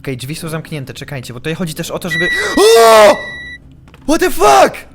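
A young man commenting on a horror game he is playing, excitable, yelping when startled and muttering while he sneaks. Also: a little high, brisk, shouting, a little hiss or hum. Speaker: gaming YouTuber.

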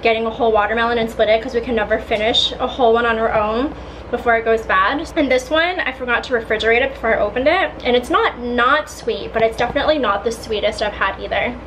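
Young woman, face mask on, casual vlog chat, upbeat, slightly high voice, noisy background. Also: fast. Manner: relaxed, chatty, upbeat. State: talking through a face mask. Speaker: vlogger. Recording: audible background ambience.

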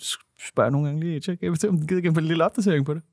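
Mumbling fast-talking Danish man. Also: a little high, a little mellow, dry recording, studio quality. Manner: mumbles and talks fast, words tumbling. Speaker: podcast co-host. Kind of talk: casual chat. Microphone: studio microphone.

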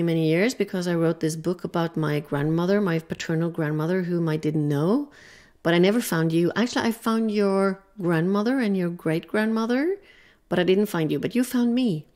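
A woman's voice: on the low side, warm tone. A woman hosting a podcast interview. She is chatty and stumbles over some words as she asks questions. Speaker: podcast host.

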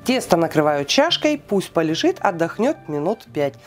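A woman giving a calm, precise step-by-step cooking voice-over, listing weights and steps, with soft music behind her. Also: lowish voice, moderate pace. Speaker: cooking channel host.

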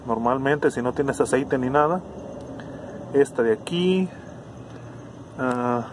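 A man's voice: mid-range voice, takes it slowly, slight background noise. A man giving a casual, hands-on car repair lesson under the hood, thinking aloud with restarts. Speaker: car electronics tutor.

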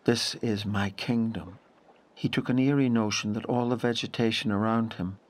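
An actor playing a grave, intense narrator in a literary audio drama, measured and full of dramatic pauses. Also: male voice, lowish voice, fairly even intonation, lightly acted. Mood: hushed wonder. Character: grave narrator haunted by a wild lake memory.

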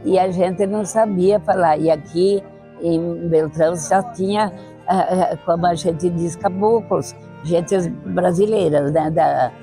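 A woman's voice: on the low side, fairly even intonation, slow pace, mellow, soft background music, low-quality recording. An eighty-year-old woman with a southern Brazilian accent and Italian as her first language, reminiscing in an interview on a lapel mic. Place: outdoor terrace. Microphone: clip-on lapel mic.

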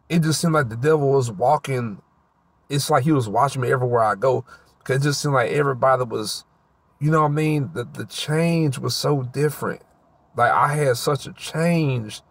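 A man giving his spoken Christian testimony outdoors in a park. He is teary, his voice a little mushy, and he speaks in a halting, rambling way, searching for words. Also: medium pitch, gravelly. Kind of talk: emotional spoken testimony to camera.

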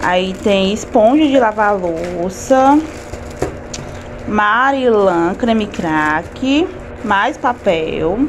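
While unpacking groceries in her kitchen, a family vlogger in her 20s from Fortaleza, Brazil, talks to her handheld phone camera and names each item she pulls out. Her mid-range voice has lively intonation but is extremely slow, and a washing machine adds noise around the home.

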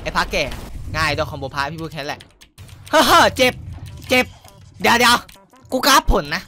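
A young man doing casual gameplay commentary, loud and crude, with excitable trash talk aimed at other players. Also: sits high, moderate pace. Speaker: gaming YouTuber. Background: loud game music.

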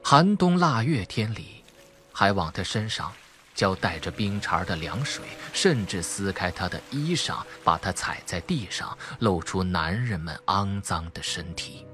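A man's voice: deep voice, animated, unhurried, bright, forceful tone. A man reading a novel as dramatic scripted narration. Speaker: audiobook narrator. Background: background music.

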